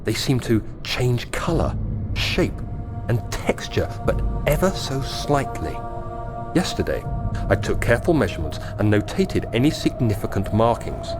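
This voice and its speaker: A man playing an earnest, troubled young gentleman explorer in a video game, speaking in a formal, introspective way. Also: medium pitch, very animated, moderate pace, over music, lightly acted. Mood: troubled, uneasy. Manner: formal, literary, introspective delivery. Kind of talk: dramatic video game voice acting, journal narration.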